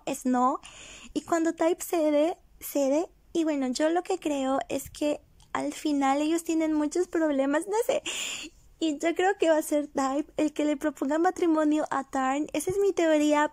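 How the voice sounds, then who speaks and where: A young woman chatting excitedly as a fan vlogger, gushing and giggly in a casual voice-over. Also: high voice, no echo.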